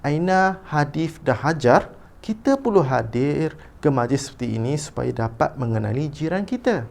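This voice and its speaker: A man's voice: fairly high pitch, expressive, normal speed, vocal fry, a little mellow, pitched above the performer's own voice. A man reading as a patient Malaysian mother. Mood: explaining. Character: patient mother explaining to her children.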